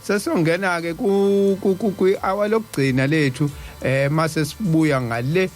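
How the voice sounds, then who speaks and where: A man with a South African Zulu-speaking accent hosts live radio, talking casually and often stammering and repeating syllables. His voice is on the high side and unhurried, with music playing behind him.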